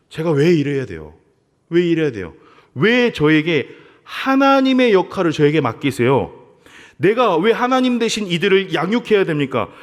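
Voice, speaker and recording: A man preaching a sermon as pastor, earnestly addressing his congregation during worship in a church sanctuary. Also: high-pitched. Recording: long reverb of a church hall.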